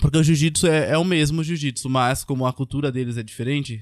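Very fast in pace, a man talks with fairly even intonation. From Brazil, Santos (São Paulo coast). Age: 20s. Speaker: jiu-jitsu instructor, immigrant. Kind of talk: casual interview.

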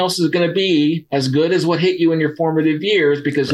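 In a plain, everyday voice with an American accent, a man speaks fairly quickly at a fairly high pitch. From US Midwest. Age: 50s. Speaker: TV producer and director. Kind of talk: casual chat.

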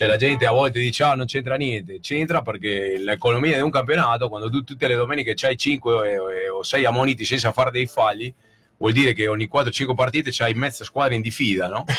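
In an animated tone, a man at medium pitch talks at a fairly quick pace with ordinary pitch variation. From Argentina. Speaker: radio co-host. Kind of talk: casual chat. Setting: radio studio.

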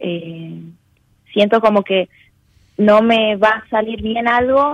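Her pace very slow, a woman speaks at a medium pitch. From Santiago del Estero, Argentina. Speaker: caller, university student. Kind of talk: casual phone conversation, seeking advice. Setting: phone call to radio show.

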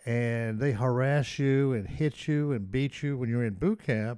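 At a fairly slow pace, a man talks in a dark, mellow tone at medium pitch with an American accent, on a very clean recording with a silent background. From Florida, US South. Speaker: missionary and Marine veteran. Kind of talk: storytelling interview.

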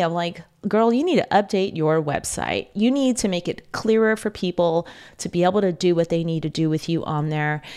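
Here a woman speaks in an animated tone at a medium pitch. Her pace is moderate, with ordinary pitch variation. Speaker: lifestyle coach and podcast host. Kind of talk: motivational talk. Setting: studio.

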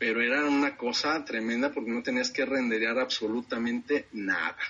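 A man with a Mexican accent. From Aguascalientes, Mexico. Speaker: photographer. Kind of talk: casual interview.

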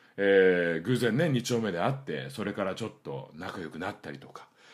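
Very wide pitch swings mark a man's moderate-paced speech. The recording is very clean, and the background is silent. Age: 40s. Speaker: podcast host. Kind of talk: casual solo monologue. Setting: home recording.

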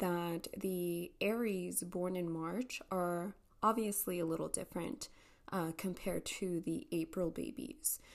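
A woman with an American accent talks at a fairly slow pace in an ordinary speaking voice, pitched fairly low with ordinary pitch variation. The recording is very clean, with a silent background. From El Paso, Texas. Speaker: astrology reader and podcaster. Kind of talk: casual monologue astrology reading.

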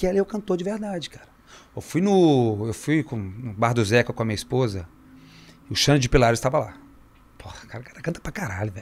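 Talking at a very fast pace, a man makes very wide pitch swings and big swings in loudness, broken by long, frequent pauses. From Brazil, interior of Minas Gerais. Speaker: football coach, former player. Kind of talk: casual chat.

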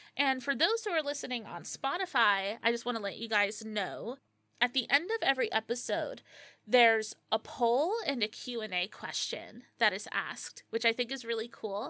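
A woman with an American accent has a bright, sharp tone, heard in a very clean recording with a silent background and a dry, close sound with no echo. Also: fairly high pitch for a woman, lively intonation, moderate pace. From Pennsylvania, Pocono Mountains. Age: 20s. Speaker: podcast host, tarot reader. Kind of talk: casual solo monologue. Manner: giggly, laughs often.

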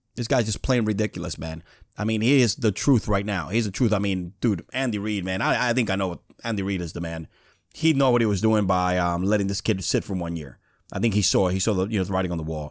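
An animated voice in an American accent at a very fast pace, with ordinary pitch variation, on a very clean recording with a silent background. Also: man. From New York. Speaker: sports podcast host. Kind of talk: casual sports commentary monologue.

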